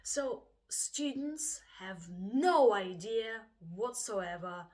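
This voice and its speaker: A woman's voice: mid-range voice, animated, very slow, darkish tone. A woman from Russia with a Russian accent, giving a chatty English exam lesson and acting out her students' voices. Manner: chatty, acts out students' voices, frequent laughs. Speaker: IELTS teacher. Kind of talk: casual video lesson.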